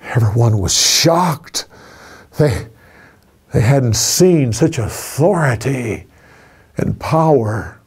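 A man in his sixties telling a Bible story from memory in a studio, animated and expressive, with small restarts. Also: mid-range voice, takes it slowly, long pauses, husky. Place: indoor studio with a curtain backdrop.

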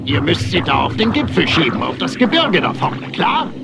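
An actor playing an urgent, grateful cartoon character who pleads and insists, in a children's audio drama. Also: male voice, on the high side, big pitch swings, normal speed, creaky, heavy background noise, full character voice.

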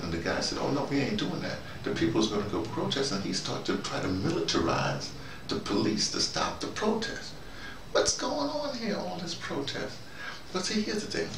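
An older American man giving a rambling, halting conversational monologue, repeating himself and speaking colloquially with emphasis. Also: medium pitch, huge pitch swings. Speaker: host, storytelling activist. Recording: noisy, roomy, distant microphone.

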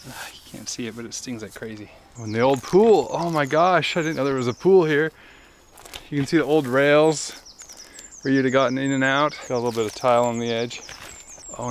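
A man in his thirties talking casually and excitedly as he walks through the overgrown grounds of a ruined palace, recorded outdoors on a clip-on mic. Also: medium pitch, a little hiss or hum. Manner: excited, chatty, wondering aloud. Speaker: travel vlogger. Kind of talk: casual walking commentary.

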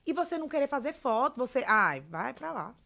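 A Brazilian woman chatting as a podcast guest, lively and expressive as she tells stories. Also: high-pitched, a little fast, gravelly. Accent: Brazilian Portuguese. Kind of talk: casual chat.

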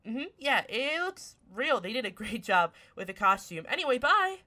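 A woman's voice: on the high side, big pitch swings, moderate pace, sharp tone. A voice actress playing a grumpy tsundere young woman turned half cat, snappy, sarcastic and easily flustered, in a one-sided ASMR roleplay. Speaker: voice actor.

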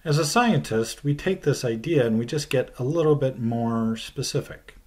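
A middle-aged man teaching a recorded science lecture, explaining slowly and deliberately, with phrase ends that drop off, filmed at a desk by a webcam in a small room with a plain white wall. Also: medium pitch, a little mellow.

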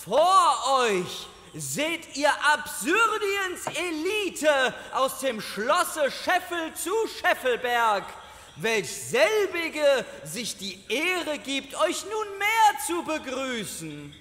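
A pompous flustered herald, super high bright voice, stammers, echoey hall. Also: male voice, very animated, very slow, a little hiss or hum, full character voice. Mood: ceremonious. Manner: theatrical, stammering, ceremonious. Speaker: court announcer. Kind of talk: German audio drama acting. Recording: reverberant hall.

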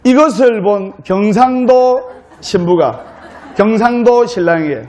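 A male Buddhist monk giving a humorous dharma talk to a live audience, telling a story in a jokey, lively way. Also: high-pitched, a little slow.

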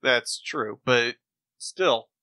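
A man on a podcast giving his opinions in a measured, conversational way. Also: medium pitch, bright, forceful tone, dry recording. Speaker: podcast co-host. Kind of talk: casual chat, giving opinions.

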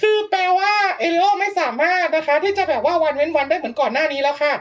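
Very high-voiced chatty young woman. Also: expressive, fast. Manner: chatty, polite, laughs often, exaggerated dismay. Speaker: VTuber streamer. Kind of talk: casual gameplay commentary.

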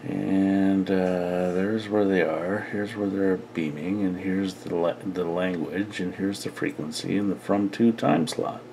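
Casual male hobbyist, deep voice, very leisurely delivery, faint noise in the room. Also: fairly even intonation, unhurried, creaky, hardly any pauses, a little mellow. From Canada. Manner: unscripted, thinking aloud. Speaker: radio hobbyist. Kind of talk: casual demonstration to camera. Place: indoor radio desk at home.

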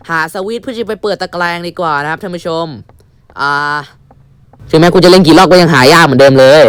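A young man commentating a horror game playthrough, switching between a mock-polite announcer tone and crude, shouty outbursts. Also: a little high, animated, fast talker, clean tone, no echo. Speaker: gamer commentating his playthrough. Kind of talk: casual gameplay commentary.

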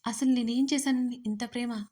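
A woman voicing a young man, a gentle and teasing lover in an audio story, asking soft questions. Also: a little high, steady tone, normal speed, lightly acted. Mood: tender.

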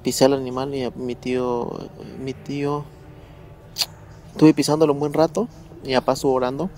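A man telling a true story in a casual, halting way, often repeating words as he remembers. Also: medium pitch, flat delivery, mellow, a little hiss or hum. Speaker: guest storyteller.

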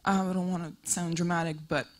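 A woman's voice: lowish voice, level tone, fairly quick. A woman from Greece in a theater audience, asking a hesitant question into a handheld microphone. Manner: hesitant, searching for words.

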